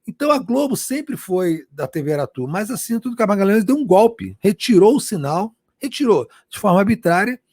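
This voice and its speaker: A man's voice: high-pitched, very animated, brisk, few pauses, a little mellow, no echo. A Brazilian man, a journalist answering interview questions passionately, often restarting and repeating words. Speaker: journalist guest.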